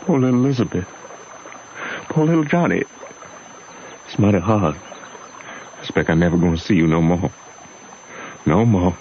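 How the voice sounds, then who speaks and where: A gentle runaway father with a very deep voice and a folksy Southern drawl. He speaks with heavy sorrow, in old radio drama style. The recording is muffled with faint noise. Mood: mournful. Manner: folksy rural dialect, drawn-out lamenting.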